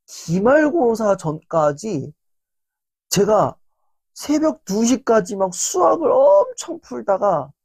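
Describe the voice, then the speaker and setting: Young male lecturer, husky tone, lively pitch, dry close sound, storyteller who leans on fillers. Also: no echo. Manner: animated anecdotal telling with constant fillers. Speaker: motivational lecturer.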